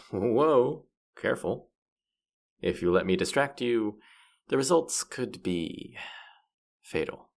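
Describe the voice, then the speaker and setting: Male actor as teasing demon guide, low gravelly voice, smug, boastful, theatrical, fantasy audio drama. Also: full character voice. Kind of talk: scripted roleplay audio drama.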